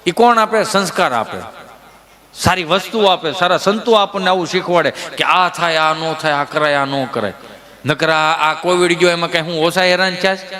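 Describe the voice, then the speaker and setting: High, bright-voiced folk comedian from Gujarat. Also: male voice, moderate pace. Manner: acts out villagers in shifting voices, with laughs. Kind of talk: stand-up folk comedy storytelling.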